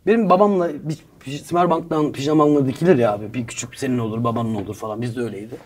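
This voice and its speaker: A man telling funny childhood stories in a casual studio chat, animated and often laughing as he talks. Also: mid-range voice, racing, husky. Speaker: podcast guest storyteller. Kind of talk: comic storytelling in casual chat. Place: studio with live audience. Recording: studio audience laughing loudly.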